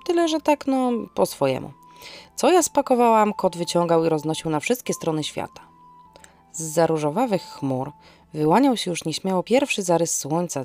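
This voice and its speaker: A woman's voice: on the low side, a little mellow. A woman hosting a podcast and narrating a scripted first-person story in a wry, theatrical manner.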